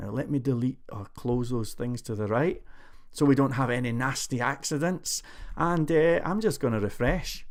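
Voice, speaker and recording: Recorded very cleanly against a silent background, this man speaks at a moderate pace in a medium pitch with ordinary pitch variation. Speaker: programming tutor. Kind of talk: coding tutorial. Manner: casual, hesitant with fillers.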